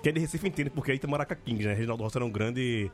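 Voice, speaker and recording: A man's voice: mid-range voice, rapid-fire, faint music behind. A man with a Northeastern Brazilian accent hosting a podcast with playful, teasing, sweary banter. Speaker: sports podcast host.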